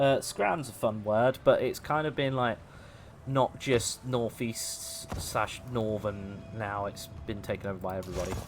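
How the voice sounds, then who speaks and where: A man speaks in a relaxed tone at a fairly slow pace and medium pitch, with ordinary pitch variation. Noticeable background noise runs behind him. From English Midlands. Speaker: gaming livestreamer. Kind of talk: casual gameplay livestream chat. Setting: live stream. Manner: relaxed, chatty with fillers.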